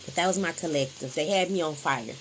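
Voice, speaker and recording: A woman's voice: sits low, a little fast, a little hiss or hum, low-quality recording. A woman hosting a casual spiritual livestream, talking in a preachy, repetitive, emphatic way into a phone.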